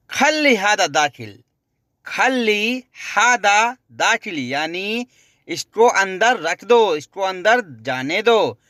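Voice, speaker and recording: A man's voice: sits high, fairly bright tone, dry recording, clean studio sound. A man teaching spoken Arabic phrases, repeating each one and explaining it word by word. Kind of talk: slow spoken-phrase lesson.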